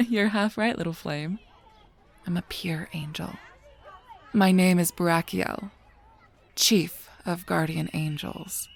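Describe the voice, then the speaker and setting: A woman playing a motherly, knowing, wry guardian angel in an ASMR audio roleplay, with a breathy, creaky voice and a gentle, poised delivery. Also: lowish voice, slow, long pauses, heavily acted. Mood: amused, proud.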